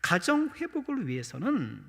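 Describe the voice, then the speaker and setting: A man's voice: high voice, wildly swooping pitch, normal speed, gravelly, a bit bright. A male pastor preaching a Sunday morning sermon, questioning the congregation directly with light humor. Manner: addresses the congregation with rhetorical questions, light self-deprecating humor. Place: church sanctuary. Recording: long church-hall reverb.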